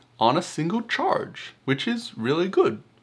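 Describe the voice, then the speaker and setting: Over a quiet background, a man speaks at a fairly slow pace with very wide pitch swings. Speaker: tech tutorial host. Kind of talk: tutorial. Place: home room.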